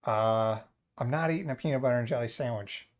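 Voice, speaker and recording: A man's voice: medium pitch, a little fast. A man joking livestream host. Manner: joking, rambling, talks to chat and cat. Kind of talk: casual livestream chat.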